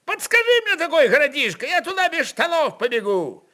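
A wiry old Cossack with a very high, forceful voice that swings widely. He is biting, defiant and quick to anger, talking in mocking folk speech for a radio play. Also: very animated, exaggerated voice. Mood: scornful. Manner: combative, mocking, folksy speech.

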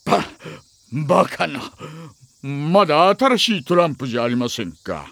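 An actor playing a sly, burly aging man in an anime audio drama, unctuously polite and theatrical with drawn-out phrasing. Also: on the high side, sing-song, creaky, fairly bright tone, dry recording, heavily acted. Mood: shocked. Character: sly, courteous aging man, burly judo-trained gambler.

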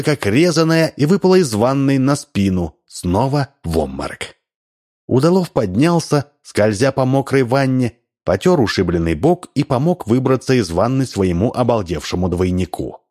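A man narrating a story aloud in a lively, expressive reading. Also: mid-range voice. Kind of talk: audiobook reading.

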